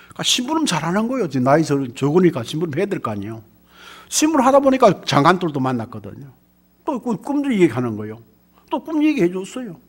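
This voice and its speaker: Animated husky Gyeongsang preacher man. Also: a little high, fast. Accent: Gyeongsang Korean. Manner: animated preaching with rhetorical questions and congregation call-and-response. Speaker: pastor. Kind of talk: sermon.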